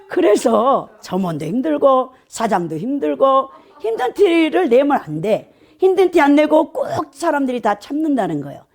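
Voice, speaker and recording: A woman pastor preaching a sermon, telling stories animatedly and checking in with the congregation through quick "eh?" asides. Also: high-pitched, a little mellow.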